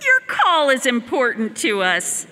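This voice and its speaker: A woman's voice: high voice, wildly swooping pitch, measured pace, sharp tone, in a large hall, exaggerated voice. A woman playing an automated phone-menu voice in a radio comedy, with a polished recorded-message delivery. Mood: chirpy.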